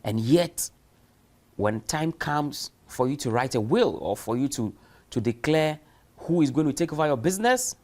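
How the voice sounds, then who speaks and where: In this recorded distance-learning university lecture, a man with a medium-pitched, expressive, darkish voice speaks at normal speed. He is emphatic, posing rhetorical questions and acting out examples.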